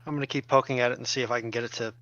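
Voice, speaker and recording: A man's voice: mid-range voice, steady tone, very fast, sharp tone, no room sound. A man chatting casually as a helper on a show, heard through a lo-fi microphone. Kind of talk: casual chat. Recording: dull, lo-fi dry microphone.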